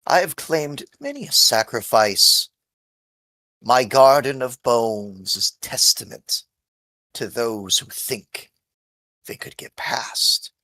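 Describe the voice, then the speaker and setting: A man's voice: mid-range voice, very animated, slow pace, pushed and bright, dry recording, heavily acted. A man voicing an imposing, bloodthirsty ancient female talking tree in a tabletop game, with solemn, archaic phrasing. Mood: menacing.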